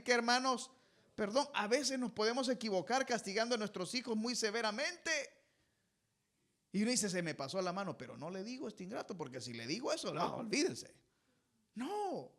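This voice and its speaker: A pastor preaches a sermon emphatically, calling his congregation brothers and having them fill in the ends of his sentences. His voice is high-pitched and a bit bright.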